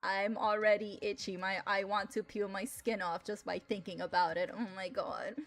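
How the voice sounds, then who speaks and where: A young adult woman streaming live, chatting casually and laughing often, with a loud, animated way of talking. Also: mid-range voice, normal speed. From Latin America. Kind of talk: casual livestream chat.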